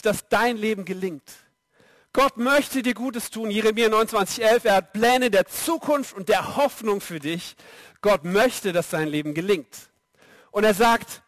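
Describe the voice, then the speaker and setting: High-voiced, unhurried man preaching. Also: dry recording. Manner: lively, direct address to the audience. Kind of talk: sermon.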